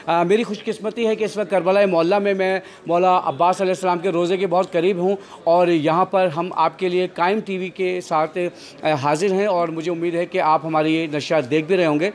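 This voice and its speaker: High-pitched man hosting an interview. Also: level tone. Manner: formal, devout greetings and long questions. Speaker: interviewer and host. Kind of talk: on-location interview. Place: outdoors near a shrine in Karbala.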